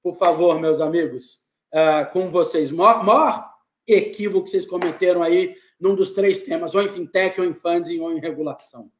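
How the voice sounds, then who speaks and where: Brazilian male moderator, high voice, casual, echoey room sound. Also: normal speed, slight background noise. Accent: Brazilian Portuguese. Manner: warm, informal, restates the question. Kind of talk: moderating a panel.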